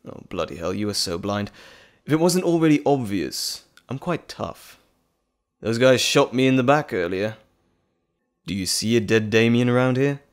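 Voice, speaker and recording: A man playing a menacing, teasing monstrous alter ego in a dramatic audio roleplay, theatrical and mocking, drawling with dramatic pauses. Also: medium pitch, expressive, clear, resonant tone, close to an everyday voice. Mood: boastful.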